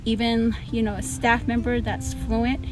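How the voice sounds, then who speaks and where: A woman's voice: on the high side, level tone, a little slow. A woman from a Native American reservation in the United States, a teacher answering casually and explaining with examples.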